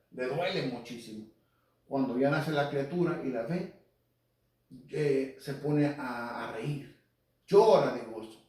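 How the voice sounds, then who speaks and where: A man's voice: mid-range voice, dark tone. A man teaching the Bible on the radio in an earnest, conversational preaching style. He often repeats himself and speaks straight to his listeners. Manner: earnest, repetitive, addresses listeners directly. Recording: very echoey, speaker far from mic.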